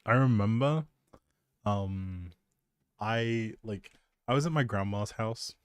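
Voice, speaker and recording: A man's voice: on the low side, slow, clear, resonant tone, no room sound. A man live streaming, chatting casually in an appreciative, rambling way and thinking aloud as he goes.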